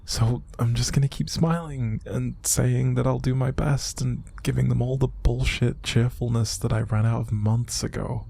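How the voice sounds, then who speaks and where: Breathy, gravelly, downcast young man, acted. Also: medium pitch, fairly even intonation. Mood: weary, fed up. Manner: halting, sighing, hushed, naturalistic delivery. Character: upset, exhausted young man bottling up his sadness. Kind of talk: intimate audio roleplay monologue to an unseen listener.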